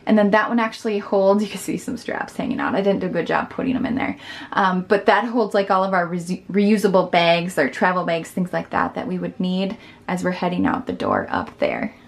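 A woman's voice: fairly low pitch, big pitch swings, fairly quick, gravelly. A woman in her thirties giving a casual, upbeat tour of her small laundry room, filmed on a handheld phone. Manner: chatty and upbeat, with fillers and small laughs. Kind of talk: casual home tour chat. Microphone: handheld phone camera.

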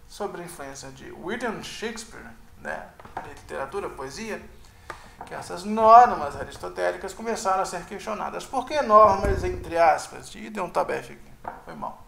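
A man gives a casual online lecture in a high voice with a gravelly, creaky edge. He speaks informally, hedges often and ends many sentences with a questioning tag. The sound is roomy and echoey. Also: expressive, moderate pace, a bit bright. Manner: informal, hedging, frequent "né?" tags; admits uncertainty, thinks aloud with restarts. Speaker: teacher.

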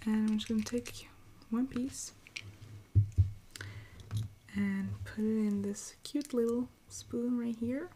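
A woman playing a friendly, patient Christmas elf helper in an ASMR roleplay, speaking softly and breathily, often in a whisper. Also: a little high, slight background noise. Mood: calm, instructive. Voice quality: soft, breathy, frequently whispering. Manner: gentle, encouraging, unhurried. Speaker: ASMR performer.

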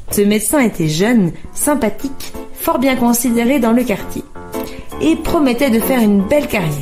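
A woman narrating a children's tale in a calm, expressive storybook reading. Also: a little high. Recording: radio studio with music bed.

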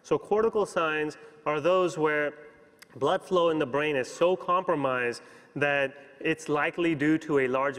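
A man in his thirties giving a conference keynote as a physician, explaining briskly and checking in with "you know" and "okay?" on a lapel mic. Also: medium pitch, fairly bright tone. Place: large conference hall stage. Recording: long hall reverb.

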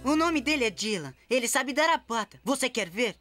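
A woman's voice: on the high side, animated, moderate pace, fairly bright tone. A woman with a Brazilian accent voicing a friendly, breezy young dog owner in a children's cartoon dub. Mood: friendly, proud. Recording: music behind the voice.

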